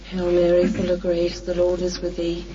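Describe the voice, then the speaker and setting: Soft dark voice saying rosary, very flat and solemn, distant muffled tape. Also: medium pitch, a little hiss or hum. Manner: monotone, measured recitation. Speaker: prayer leader.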